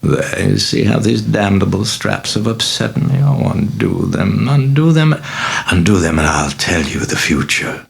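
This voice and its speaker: A man's voice: lowish voice, animated, a little slow, creaky, voice pushed up, exaggerated voice. A man voicing a sly, mocking demon that possesses a young girl, drawling and sinister in an audiobook reading. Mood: pleading. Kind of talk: audiobook character voice.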